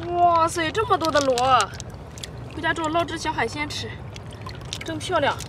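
At a moderate pace with long, frequent pauses, a woman speaks in an extremely high pitch with ordinary pitch variation, the sound dry with no echo and noticeable background noise present. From Shandong, Rizhao; Shandong. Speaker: seafood-foraging vlogger. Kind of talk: vlog narration while beachcombing. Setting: outdoors on the seashore. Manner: animated, frequent exclamations. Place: beach. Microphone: phone near.

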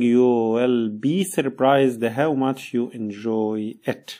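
A man speaks in an Egyptian accent with a dark, mellow tone. The background is quiet. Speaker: English teacher. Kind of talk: lesson explanation. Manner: explanatory, bilingual Arabic-English.

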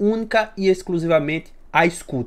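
A man speaks at a high pitch with lively intonation. The background is quiet. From Brazil. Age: 20s. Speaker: fitness youtuber. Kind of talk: video commentary. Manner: earnest. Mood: somber, earnest. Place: home room.

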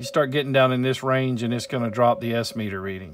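Noticeable background noise behind a man, his pitch variation ordinary. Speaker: ham radio operator. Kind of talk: casual tutorial. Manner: informal, conversational. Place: home room. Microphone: phone near.

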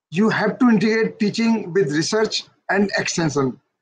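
In an Indian accent, a man speaks at a fairly slow pace in a high pitch with ordinary pitch variation. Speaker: agricultural education official. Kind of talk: keynote address. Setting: video call. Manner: hesitant, many fillers. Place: office. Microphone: video call.

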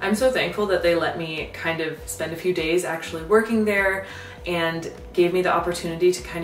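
Over faint background music and audible room echo, a woman speaks at a fairly quick pace with ordinary pitch variation. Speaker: content creator. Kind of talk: casual vlog chat. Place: home room.

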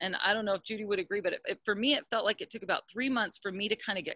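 A woman with an American accent has a fairly high pitch and a bright, sharp tone, recorded in a dry space with no echo and a quiet background. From US Pacific Northwest, Seattle. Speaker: real estate agent; guest. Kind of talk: video interview. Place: garden. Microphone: video call.

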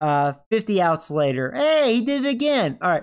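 In a quiet setting, a man delivers his words fairly slowly. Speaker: gaming streamer. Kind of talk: live commentary while playing a video game, chatting with stream viewers. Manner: casual, opinionated, chatty. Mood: amused, wry. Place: home room.

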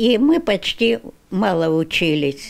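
The intonation is lively. The pace is very slow. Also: woman. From Azov, Rostov region, Russia. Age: 80s+. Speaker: retired doctor, war-era hospital volunteer. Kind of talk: interview answer. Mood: animated, emotional reminiscence. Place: home room.

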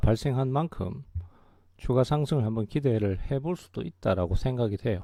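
A man's dark, mellow, medium-pitched voice with lively intonation at a moderate pace, in a very clean recording with a silent background. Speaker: stock market analyst. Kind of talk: market commentary.

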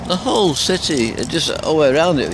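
At a moderate pace and with ordinary pitch variation, a man talks in a dry sound with no echo over noticeable background noise. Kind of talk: casual vlog commentary. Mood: indignant, exasperated. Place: street. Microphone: phone near.

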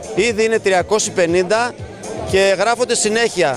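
Faint music plays in the background as a man with a high pitch speaks with fairly even intonation, the sound dry with no echo. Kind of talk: interview answer. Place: forest. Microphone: handheld.

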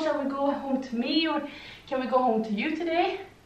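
Audible room echo surrounds a woman's high-pitched voice. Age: 20s. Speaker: YouTuber. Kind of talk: casual vlog monologue. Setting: at home doing yoga on camera. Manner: rambling; laughs often. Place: home room. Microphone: camera far.

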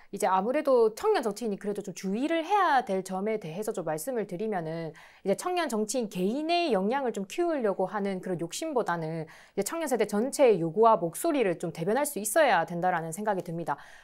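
Over a quiet background, a woman talks at a very fast pace. Her pitch swings very widely. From South Korea, Changwon (Gyeongnam); South Korea. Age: 20s. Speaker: youth party official; panelist. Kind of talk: panel discussion. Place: studio. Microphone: lapel.

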